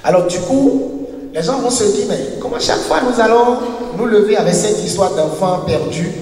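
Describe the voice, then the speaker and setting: A man who is a university professor, lecturing in a language that is not his first, halting and restarting as he searches for words. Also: high-pitched, a little mellow. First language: a local language, not French. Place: lecture hall. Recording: echoey hall recorded from far off.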